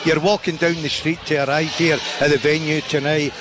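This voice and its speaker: A Scottish man talking football as an excited pundit on live radio outdoors. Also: fairly high pitch, a little fast. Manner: excited, enthusiastic. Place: outdoor city venue. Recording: live outdoors with street and traffic noise.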